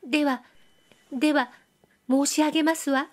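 A woman's voice: fairly even intonation, unhurried. Woman voicing a coy, nasal young Edo-era girl. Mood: coy, pleading. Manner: high, soft, nasal lilt with polite feminine endings. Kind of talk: audiobook reading.

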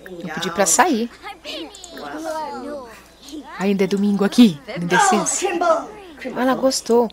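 Excitable woman gaming host. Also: medium pitch, slow pace, long pauses, over a noisy crowd. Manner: chatty and excitable, exclaiming to viewers. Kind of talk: casual let's-play commentary.

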